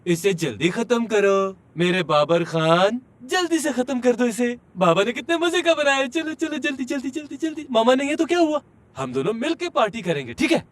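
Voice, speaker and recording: A man's voice: very high voice, big pitch swings, moderate pace. A man dubbing a young father who fusses over his crying baby, coaxing it and pleading down the phone for help. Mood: coaxing, fretful. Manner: coaxing and fretful, turning to exasperated pleading. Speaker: voice actor in a dubbed series. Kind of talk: dubbed TV drama acting. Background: background music.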